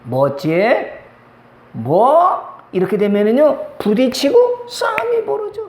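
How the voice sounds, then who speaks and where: Male pastor, middle-aged, high-pitched lively preaching voice, call-and-response sermon in an echoey church hall. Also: slow pace. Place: church sanctuary.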